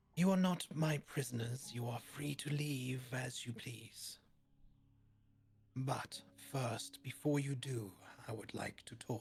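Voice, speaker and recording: A man uses a put-on character voice at a medium pitch. He goes at a fairly slow pace with long, frequent pauses. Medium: actual play. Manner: calm, courteous.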